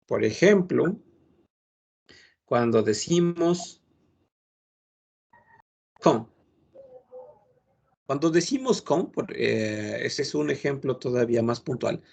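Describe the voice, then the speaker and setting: A man's voice: medium pitch, lively intonation, slow, gravelly, pauses often, darkish tone, husky. A man, a French teacher lecturing his class in an earnest, admonishing way, giving many examples.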